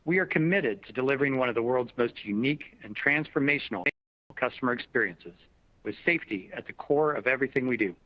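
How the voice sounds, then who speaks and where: A man speaking as a chief executive, giving a prepared earnings presentation in a formal, measured corporate style. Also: mid-range voice, lively intonation, dry recording. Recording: dull, dry conference call audio.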